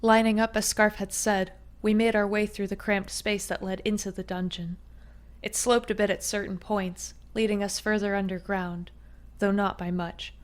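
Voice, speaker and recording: A woman reading a first-person fantasy audiobook, her pitch sitting in an ordinary middle range. Her delivery is steady and even as she tells the tale. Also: normal speed. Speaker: narrator.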